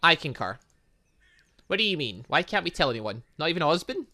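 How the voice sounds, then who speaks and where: A man's voice: a little high, sing-song, brisk, pushed and bright, no room sound. A man reading game dialogue aloud in a let's play, adding his own commentary and often stumbling over words and correcting himself. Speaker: gaming YouTuber reading a visual novel aloud.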